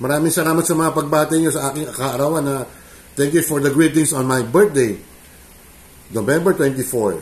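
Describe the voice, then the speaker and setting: At a moderate pace, a somewhat breathy man speaks with ordinary pitch variation. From Philippines. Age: 60s. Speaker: vlogger. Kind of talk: casual vlog monologue; reading out viewer names. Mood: cheerful, grateful. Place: home room. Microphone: webcam.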